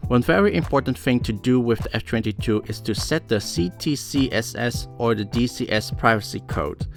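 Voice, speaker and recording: A man narrates a scripted product review. His voice sits at an average pitch for a man. Music plays behind him as he presents. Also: expressive, moderate pace. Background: background music.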